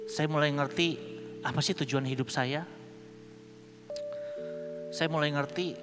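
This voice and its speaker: Man, slightly high voice, conference preacher sharing a humorous, slangy testimony on a stage mic in a big reverberant hall. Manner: casual, humorous storytelling with slang. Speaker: conference speaker. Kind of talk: personal testimony sermon. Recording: long hall reverb with music underneath.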